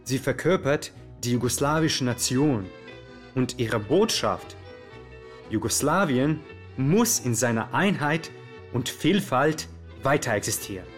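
A man's voice: mid-range voice, expressive, a little slow, faint music behind, natural voice. An actor playing a theatrical male radio show presenter who narrates dramatically and addresses listeners directly. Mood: storytelling. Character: Yugo Slaven, flamboyant male Yugoslav radio presenter.

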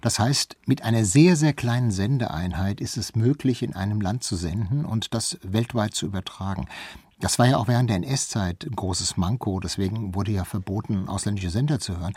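Husky man explaining as a studio guest. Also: on the low side, a little mellow, no room sound. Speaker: author and former radio culture chief, interview guest. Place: radio studio.

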